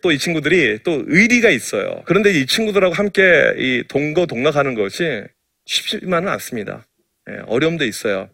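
A middle-aged man preaches as a pastor, winding humorous anecdotes through his sermon. His voice sits fairly high for a man, and his delivery is playful and self-mocking. The recording is dry and close, with no room echo. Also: big pitch swings, a little fast, creaky, a bit bright.

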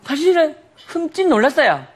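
A man's voice: very high-pitched, very animated, moderate pace, a little hiss or hum. A man giving a sermon testimony, telling a story animatedly with frequent laughter and rhetorical questions.

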